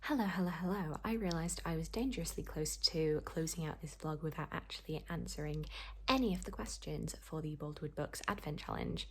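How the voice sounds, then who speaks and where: A woman's voice: sits low, slightly rough. A young woman chatting casually to camera as a book vlogger, in a rambling, self-deprecating way.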